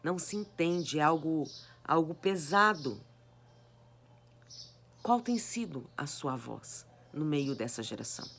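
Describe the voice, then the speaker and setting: A woman preaching a sermon with a hoarse, cracked voice, exhorting her listeners with repeated rhetorical questions. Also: low voice, expressive, unhurried, long pauses, a bit bright, slight background noise. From Brazil. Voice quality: raspy, cracked voice.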